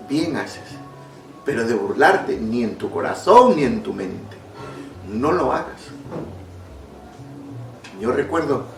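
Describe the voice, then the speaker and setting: Gravelly man preaching from far off. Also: fairly high pitch. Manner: preaching with emphatic rises, storytelling. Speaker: pastor. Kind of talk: sermon. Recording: echoey room, distant mic, faint noise.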